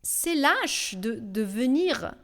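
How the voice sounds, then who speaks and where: Slow, measured woman's voice-over. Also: sits high, sing-song. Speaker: voice-over translator. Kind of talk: voice-over of a panel discussion.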